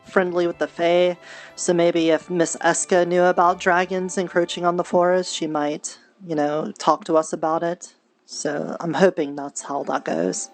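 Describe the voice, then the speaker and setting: Female roleplayer with a slightly low voice, earnest and chatty in character, light music underneath. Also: flat delivery, moderate pace. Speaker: streamer and roleplay player. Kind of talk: improvised in-character fantasy roleplay chat. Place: online virtual reality session.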